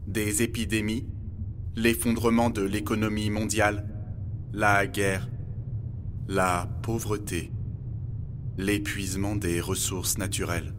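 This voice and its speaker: An actor playing a grave, learned witness of the world's end, narrating solemnly in an audio drama. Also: male voice, lowish voice, noisy background. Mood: solemn, sorrowful. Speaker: guide and storyteller. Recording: music under the voice. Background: music.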